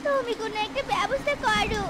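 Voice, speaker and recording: A woman's voice: extremely high pitch, fast talker, far from the mic, very noisy. A woman voicing a poor, anxious fox mother in a cartoon, wailing and pleading. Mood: worried. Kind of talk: cartoon voice acting. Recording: music bed behind voice.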